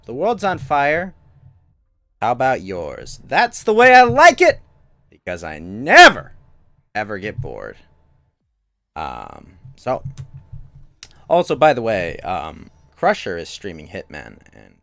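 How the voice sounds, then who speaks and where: A man's voice: medium pitch, a bit bright, no room sound. A young man streaming games from home, chatting loosely with his chat, restarting sentences a lot. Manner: rambling, many restarts, talks to chat. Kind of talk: casual live-stream chat.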